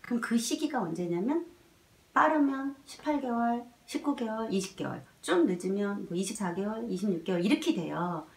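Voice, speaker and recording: A woman teaching parents in a spoken lecture, telling lively stories full of fillers and acting out mothers and toddlers, sometimes dropping to a soft whisper. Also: medium pitch, moderate pace, gravelly. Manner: animated storytelling, acts out mothers and toddlers, drops to soft whispers; many filler words. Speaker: child development educator. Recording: roomy, mic at a distance.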